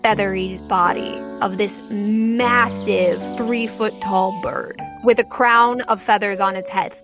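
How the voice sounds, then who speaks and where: A woman's voice: mid-range voice, fairly even intonation, slow, music in the background. A woman improvising narration as game master of a tabletop role-playing game.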